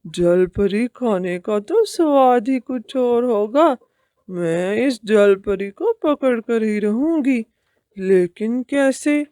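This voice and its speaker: A woman's voice: a little high, animated, dark tone, no room sound, studio quality, lightly acted. A woman voicing a greedy, scheming female witch in a cartoon, drawing out her menacing words. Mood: gloating. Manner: slow, gloating and menacing.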